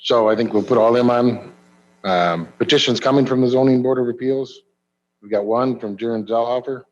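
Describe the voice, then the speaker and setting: A man chairing a county committee meeting, moving briskly through motions and votes. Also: medium pitch, muffled recording.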